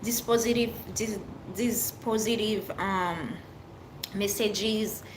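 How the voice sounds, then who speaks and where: A middle-aged Haitian woman with a French accent hosts a livestream, chatting openly and earnestly as she answers viewers. Her mid-range voice moves slowly with fairly even intonation, in short fragments with restarts, and there is background noise.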